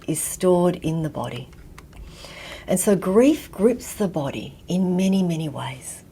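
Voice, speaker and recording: A woman from Vietnam, raised in Australia, giving a slow, reflective talk and often dropping to a near whisper. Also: fairly low pitch, a little mellow, a little hiss or hum. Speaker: guest teacher.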